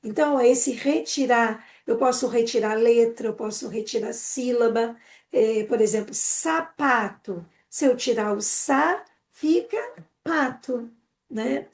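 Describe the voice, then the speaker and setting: A woman with a Brazilian Portuguese accent giving a live online training for teachers, explaining quickly and eagerly with many "né?" tags. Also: a little high, darkish tone.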